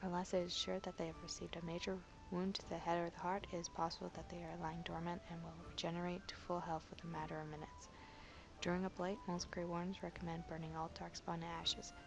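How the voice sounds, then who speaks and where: This is a quiet woman's voice. She speaks at a very fast pace. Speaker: let's play gamer. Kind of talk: reading game lore aloud.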